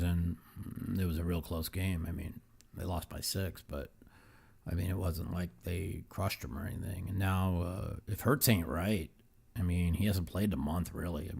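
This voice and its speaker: A man's voice: low-pitched, creaky, a little mellow. A man hosting a casual podcast monologue, rambling with many fillers and repeated words. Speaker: podcast host. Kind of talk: casual monologue on football and poker.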